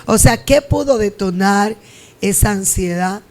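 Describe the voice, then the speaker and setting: A woman's voice: mid-range voice, a little slow. A woman pastor hosting a Christian interview, speaking in a preachy, exhorting way. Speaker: pastor and host.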